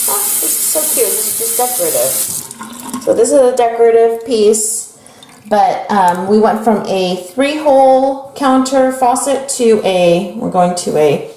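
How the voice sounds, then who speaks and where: A woman's voice: medium pitch, mellow. A woman vlogger giving an enthusiastic, casual tour of her newly remodeled bathroom, recorded on a handheld camcorder. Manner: chatty and enthusiastic, addresses viewers as you guys. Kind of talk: casual home tour narration. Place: small bathroom indoors. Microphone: handheld camcorder mic. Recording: echoey small bathroom, faint room hiss.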